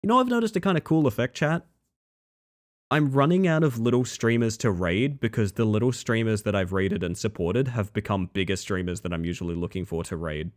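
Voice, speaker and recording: A man's voice: fairly low pitch, fairly quick. A male streamer at the end of a long session, chatting casually with viewers in a sleepy, crackly voice. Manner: friendly, rambling, thanks viewers. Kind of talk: casual stream sign-off chat.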